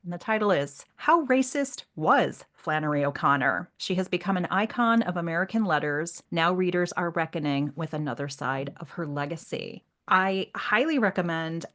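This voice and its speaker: A woman hosting a literary discussion podcast, speaking in an articulate, reflective way with measured phrasing. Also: fairly low pitch, expressive, a bit bright. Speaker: podcast host.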